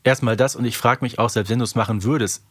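A man's voice: mid-range voice, steady tone, fast, fairly bright tone, dry recording, clean studio sound. A man co-hosting a podcast in casual discussion, thinking aloud and often checking for agreement. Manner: conversational, ponders aloud, seeks agreement. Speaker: podcast co-host.

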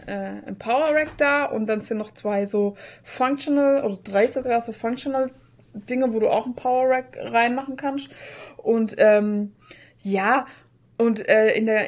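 A woman's voice: a little high, darkish tone. A woman chatting casually and eagerly as a podcast co-host, often jumping in.

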